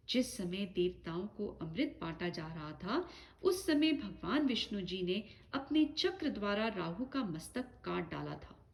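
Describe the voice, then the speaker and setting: Female devotional reader, unhurried and measured, expressive intonation. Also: mid-range voice. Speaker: scripture reader. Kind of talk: devotional scripture reading.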